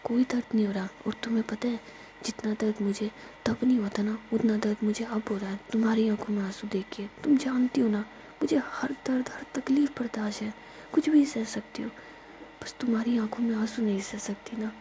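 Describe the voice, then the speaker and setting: A woman voicing a young woman who comforts her partner in a soft, coaxing whisper. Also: on the high side, fairly even intonation, fairly quick, close to an everyday voice. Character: young woman Jiya, tender soothing lover. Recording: dull lo-fi recording, faint noise.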